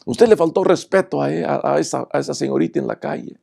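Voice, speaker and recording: A man's voice: on the high side, fairly quick, creaky, darkish tone, slightly rough, voice pushed up, full character voice. A man voicing a stern elderly woman who scolds reproachfully.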